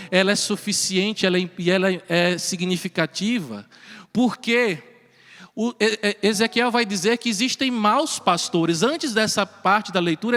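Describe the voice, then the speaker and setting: A man, a priest giving a homily at Mass and telling a personal story earnestly, chuckling now and then. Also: high-pitched. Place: church. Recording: reverberant church with soft music.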